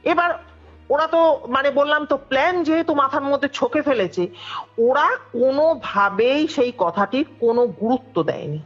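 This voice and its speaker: There's music behind this dull, lo-fi call, where a guest with a high voice and normal pacing tells a ghost story. She keeps the storytelling chatty and animated, playing out the quoted lines as she goes.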